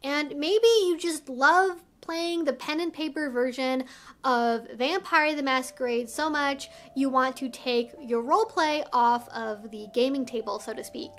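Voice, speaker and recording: Speaking to her viewers, this vlog host has a high-pitched, fairly bright voice and a slightly slow delivery. Her educational videos are articulate and conversational, with careful explanations.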